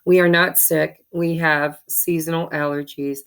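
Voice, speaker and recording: Hoarse low-voiced woman, gravelly. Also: flat delivery, a little slow. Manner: warm thankful rambling with many ums. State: hoarse from allergies. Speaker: tarot reader and channel host. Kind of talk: casual chat to viewers.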